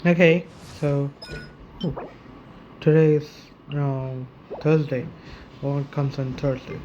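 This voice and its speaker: Slow, halting casual gamer commentary. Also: mid-range voice, fairly even intonation, darkish tone, muffled recording, a little hiss or hum. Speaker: gaming YouTuber. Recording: faint game music behind.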